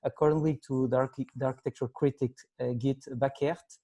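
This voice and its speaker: A man's voice: medium pitch, fairly even intonation, brisk, mellow. A man moderating a lecture Q&A in non-native English, hesitant and rephrasing as he reads out audience questions.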